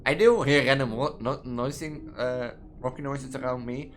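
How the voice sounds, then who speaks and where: A young trans woman with a Dutch accent, reading quiz questions aloud and answering them in a rambling, halting way that restarts words mid-sentence, from her student apartment. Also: a bass voice, fairly even intonation, a little hiss or hum. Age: young adult. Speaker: gaming video creator.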